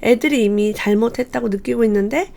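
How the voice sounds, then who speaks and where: A woman hosting a book channel, reading passages from a parenting book aloud and commenting on them, telling the anecdotes in a lively way. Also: a little high, brisk, gravelly. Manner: lively storyteller who acts out quoted lines.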